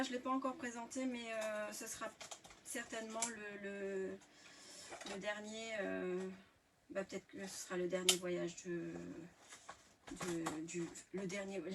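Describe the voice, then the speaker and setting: A French woman hosting a live scrapbooking tutorial, talking casually with many fillers and restarts as she shows her materials. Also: medium pitch. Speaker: scrapbooking workshop host. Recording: distant mic, faint background hiss.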